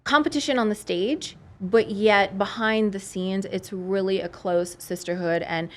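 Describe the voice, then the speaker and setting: A woman's voice: mid-range voice, steady tone, unhurried. A woman who works as a fitness trainer, a guest on a podcast, talking enthusiastically in casual chat. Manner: enthusiastic, storytelling.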